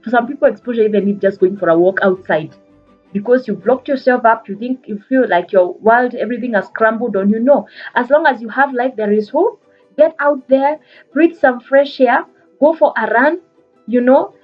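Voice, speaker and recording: Kenyan female life coach, husky, earnest, repeats herself, lo-fi recording. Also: fairly high pitch, normal speed, faint music behind. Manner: earnest, repeats phrases for emphasis, frequent fillers. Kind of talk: motivational talk.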